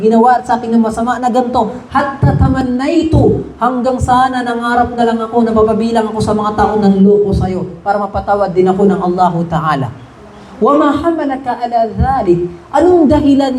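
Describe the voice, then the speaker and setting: A man giving a religious lecture, retelling stories with quoted dialogue and reciting Arabic phrases before translating them. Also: very high-pitched. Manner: animated storytelling with quoted dialogue. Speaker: Islamic preacher. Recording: echoey room with faint background noise.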